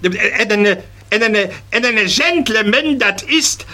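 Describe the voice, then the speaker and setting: Man doing a stammering eager schoolboy, high and lively, comic bit. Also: takes it slowly, heavily acted.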